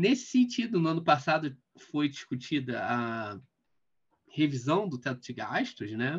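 Speaking at a fairly slow pace, a man with a somewhat breathy voice moves through very wide pitch swings over a quiet background. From Brazil. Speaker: economist; guest. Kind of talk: interview. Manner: explanatory, didactic. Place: home room. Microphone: webcam.

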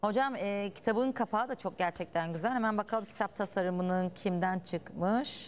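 Over light background noise, a woman speaks at a medium pitch and moderate pace, with very even loudness, ordinary pitch variation and hardly any pauses. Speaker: TV presenter. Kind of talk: TV interview. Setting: studio. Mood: warm, polite. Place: studio. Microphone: lapel.

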